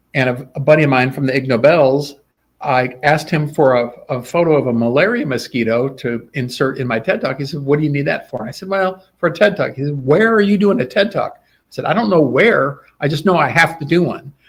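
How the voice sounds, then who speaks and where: A man talks at a fairly quick pace with hardly any pauses, his voice somewhat breathy and fairly high. His intonation is lively, with big swings in loudness. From Indiana, US Midwest. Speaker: sword swallower. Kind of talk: interview storytelling. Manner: animated.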